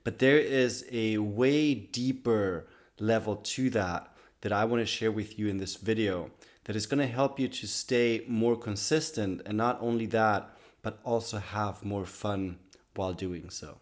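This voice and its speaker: A man with a slightly raspy voice from being sick, talking to camera in an earnest, loose way about personal growth. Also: on the low side, unhurried. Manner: earnest, loose sentences with many restarts and "like". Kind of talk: casual talk to camera.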